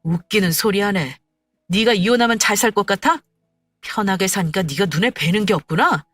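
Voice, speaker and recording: A woman's voice: mid-range voice, animated, moderate pace, a bit bright, slightly rough, no room sound, faint music behind. A woman voicing a dismissive, arrogant husband who talks in a mocking, condescending way.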